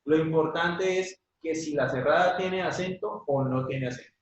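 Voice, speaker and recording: A man's voice: a little high, moderate pace, lo-fi sound. A male teacher giving a classroom grammar lesson, patiently checking in with his students after each point. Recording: very echoey room, voice from far off.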